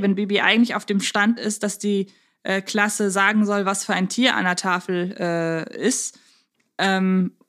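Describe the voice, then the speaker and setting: A woman talks as a podcast co-host. Her voice sits at a middle pitch. She chats casually and works through her thoughts out loud, step by step. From Hamburg, Germany.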